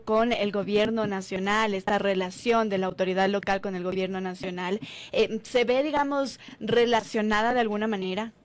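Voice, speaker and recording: A woman interviewing a guest, asking formal, polite and measured questions. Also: a little high, no echo.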